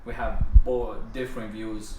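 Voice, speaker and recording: Soft-spoken man, Kurdish first language. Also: fairly low pitch, level tone, measured pace, echoey room, far from the mic, background noise. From Iraq. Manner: thoughtful, restarts and reframes mid-sentence. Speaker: interviewee. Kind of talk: casual interview answers.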